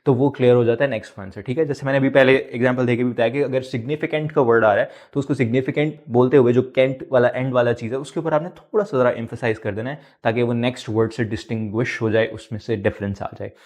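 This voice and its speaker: A man explains exam speaking tips to students in a video lesson. His voice sits at an ordinary middle pitch, and he moves between Hindi-Urdu and English. He keeps returning to his main points. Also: fairly even intonation, fast talker, hardly any pauses, a little mellow. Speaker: PTE exam instructor.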